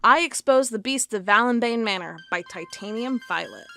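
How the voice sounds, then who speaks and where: A woman's voice: fairly high pitch, animated, normal speed, creaky, bright, forceful tone, faint music behind, exaggerated voice. A woman playing a wry young office worker in an audio drama, talking casually and reading aloud in a conversational way. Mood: earnest, storytelling.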